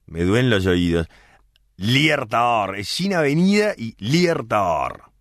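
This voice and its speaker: A man's voice: on the low side, huge pitch swings, normal speed, no room sound, studio quality. A man with an Argentine Rioplatense accent performing a comedy sketch, correcting pronunciation in a fussy, exasperated way. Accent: Argentine Rioplatense Spanish.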